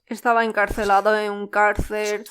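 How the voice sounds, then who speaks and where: A woman's voice: medium pitch, little pitch movement, normal speed, fairly bright tone, slight background noise. A woman preaching a sermon at a church service, reading out scripture verses and asking the congregation rhetorical questions.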